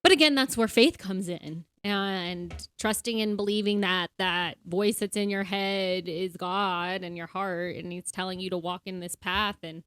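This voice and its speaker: A woman's voice: mid-range voice, fairly even intonation, measured pace, hardly any pauses, fairly bright tone, clean tone, no echo. A woman co-hosting a Christian podcast, reflecting in a casual chat, full of "like" and "you know" and easy laughs. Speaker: podcast co-host.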